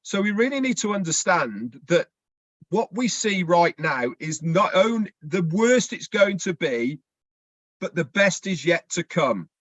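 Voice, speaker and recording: A man's voice: high-pitched, sing-song, measured pace, a bit bright, dry recording, low-quality recording. A man presenting on an online business chat, persuading his audience with rhetorical questions. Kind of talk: promotional talk to an audience.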